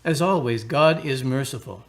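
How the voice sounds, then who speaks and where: A man acting as an earnest, kindly Catholic priest in a radio drama, gently persuasive and a little hesitant. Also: mid-range voice, normal speed, natural voice. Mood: earnest preaching.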